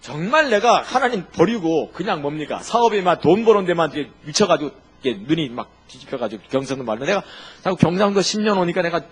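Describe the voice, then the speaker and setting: Husky, animated Korean pastor preaching. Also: male voice, fairly high pitch, fast, hardly any pauses. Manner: asks the congregation rhetorical questions, jokes and laughs; lively, emphatic preaching with sudden loud and quiet turns. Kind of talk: sermon.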